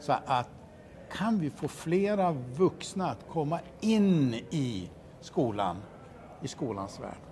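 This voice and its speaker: His pitch swings very widely and sits fairly high for a man. Light background noise runs under the speech. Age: 70s. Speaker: retired teacher and local politician; retired teacher, local politician. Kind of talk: live interview. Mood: enthusiastic about school work. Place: hall. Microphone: handheld.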